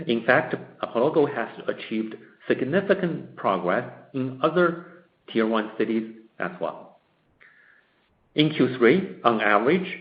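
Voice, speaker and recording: A man presenting as a company executive, reading a scripted corporate statement in formal, measured short phrases on a conference call. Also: medium pitch. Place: conference call in a roomy space. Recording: dull, echoey conference-call audio.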